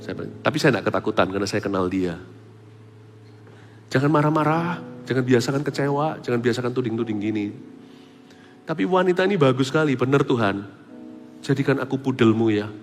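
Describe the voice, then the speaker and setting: A man preaching a sermon as pastor, animated, swinging between loud exclamations and soft asides. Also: mid-range voice, a little fast, pauses often. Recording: preaching hall with long reverb and faint music.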